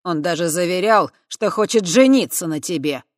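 A reader voicing a drunk, swaggering young man who talks in a slow, loose, slurred way. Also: sits high, animated, dry recording, clean studio sound. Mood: cheeky.

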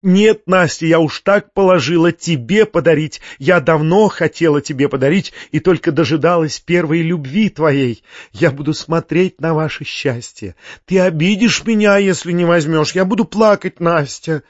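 A man voicing a gushing, eccentric old maiden lady in an audiobook, her speech shrill and breathless. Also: normal speed, dry recording, muffled recording, close to an everyday voice. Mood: ecstatic pleading.

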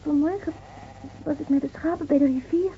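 A woman's voice: high-pitched, brisk. An actress playing a naive, devout young shepherd girl in a radio play, earnest and full of questions. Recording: tinny, noisy old radio play recording.

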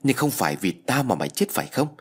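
A man voicing a frightened young woman in a storybook tale, pleading in raised, high cries. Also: sing-song, fast talker, breathy edge.

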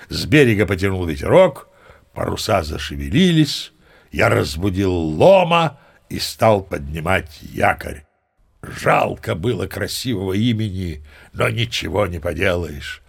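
A man's voice: sits low, sing-song, a little slow, vocal fry, breathy edge, full character voice. An actor playing a boastful old sea captain who tells tall tales expressively in an audio play, savoring his words. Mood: wistful, content. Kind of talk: theatrical storytelling in an audio play.

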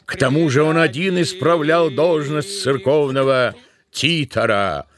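A man narrating a literary tale for an audio play, expressively, with drawn-out emphatic words. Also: on the high side.

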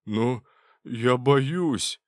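A man voicing a clumsy, timid young male intern who mumbles slow, halting excuses. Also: fairly low pitch, expressive, dry recording, studio quality. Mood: sheepish.

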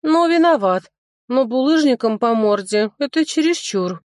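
A woman's voice: fairly high pitch, animated, moderate pace, darkish tone, no echo, studio quality, voice pushed up, close to an everyday voice. A woman voicing a grumpy, sarcastic old male talking sword in a storybook reading. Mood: grumbling. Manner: grumbling, sarcastic.

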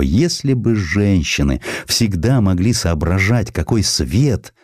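A man narrating a historical sketch in an expressive scripted style, with dramatic, deliberate phrasing. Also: deep voice, dry recording, clean studio sound. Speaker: audiobook narrator.

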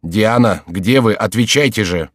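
A man doing a jealous shouting count. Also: low-pitched, moderate pace, no room sound, clean studio sound. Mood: demanding. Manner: loud, demanding shouts. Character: jealous feverish middle-aged count, shouting. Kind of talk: audiobook character voice.

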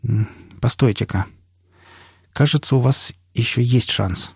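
A man voicing a worried field medic who speaks in a measured, careful way in an audiobook. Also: medium pitch, vocal fry, slightly rough, no room sound, studio quality, heavily acted. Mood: calm, worried. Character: worried male field medic, calm-spoken.

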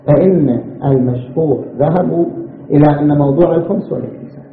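Guy teaching a seminary class, high voice, asks himself questions, echoey tinny tape. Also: quick pace. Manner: explains point by point, asks himself rhetorical questions. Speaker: religious scholar teaching jurisprudence. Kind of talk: seminary lecture. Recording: tinny, echoey lecture recording with faint noise.

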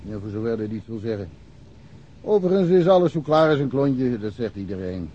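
An actor playing a talkative, folksy middle-aged provincial police inspector in a naturalistic radio drama. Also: male voice, medium pitch, expressive, a little fast, mellow, husky. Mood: matter-of-fact. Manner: talkative, colloquial, self-deprecating. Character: chatty, folksy provincial Swedish police inspector, long-serving local. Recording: muffled, noisy radio drama recording.

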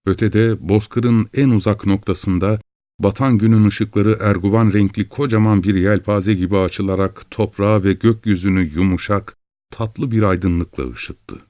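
Low-voiced man reading a story. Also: dry recording, clean studio sound. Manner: calm, measured storytelling. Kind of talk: audiobook narration.

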